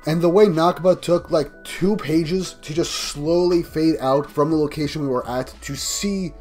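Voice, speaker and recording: A man's voice: a little high, measured pace, a little mellow, soft background music. A man with a cold, sounding a little groggy, giving an enthusiastic, rambling casual review of a manga chapter. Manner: enthusiastic, rambling recap with restarts.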